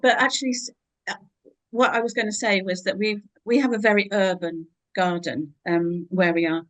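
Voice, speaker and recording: A woman's voice: medium pitch, steady tone, moderate pace, low-quality recording. A woman chatting casually as a guest speaker. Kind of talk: casual chat.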